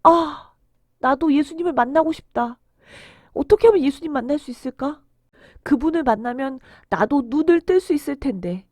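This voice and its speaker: A woman's voice: high voice, expressive, moderate pace, darkish tone, no room sound, studio quality. A woman voicing an emotional blind beggar man in a dramatised children's Bible story. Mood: wistful hope. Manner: emotional, crying out pleadingly. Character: desperate blind beggar man, pleading, hopeful, then overjoyed.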